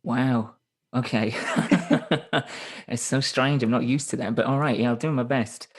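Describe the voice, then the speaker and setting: A man's voice: medium pitch, a little slow. A man in his thirties from Northern England with a Northern English accent, a podcast guest talking in a loose, rambling way with frequent restarts. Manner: rambling, self-correcting, with frequent restarts and hedges. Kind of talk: casual conversational interview.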